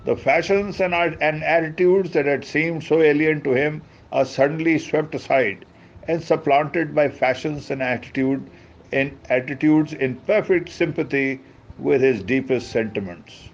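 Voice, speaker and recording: Higher-pitched South Asian man reading aloud, muffled sound. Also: a little slow, slight background noise. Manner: expressive, mixes Hindi asides into English. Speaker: storyteller, book reader. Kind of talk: dramatic book reading with informal commentary. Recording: dull, lo-fi sound.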